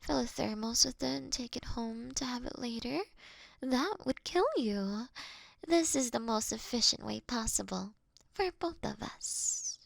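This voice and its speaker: A woman's voice: a little high, gravelly, no echo, full character voice. A woman playing a courteous, doting vampire in a scripted roleplay, speaking intimately and breathily, often slipping into a whisper. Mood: earnest, coaxing. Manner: slow, intimate, gently theatrical. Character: female vampire, courteous, doting, wryly confessing to her sleeping prey. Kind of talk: scripted roleplay audio for one listener.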